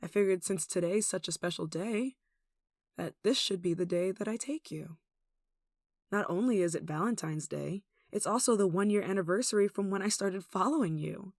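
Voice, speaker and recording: A woman's voice: medium pitch, moderate pace, no echo, clean studio sound, close to an everyday voice. A woman playing a tall, possessive, lovesick kidnapper in an intimate ASMR roleplay, cooing and coaxing with sweet menace, sighs and giggles. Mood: gleeful, possessive.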